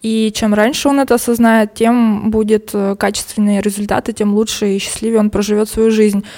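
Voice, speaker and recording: Her tone dark and mellow, a woman speaks at a fairly high pitch in a monotone, flat intonation. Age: 30s. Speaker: entrepreneur. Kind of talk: interview.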